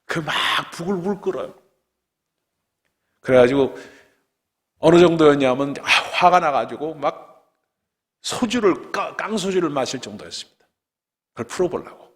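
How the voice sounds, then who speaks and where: Middle-aged pastor guy preaching, goes from loud to whispery, long church echo. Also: medium pitch. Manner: emotional, swings from loud outbursts to hushed whispers. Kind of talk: sermon. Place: church sanctuary.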